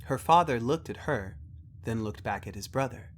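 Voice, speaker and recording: A man's voice: mid-range voice, animated, moderate pace, slight background noise. A man narrating a scripted dramatic story.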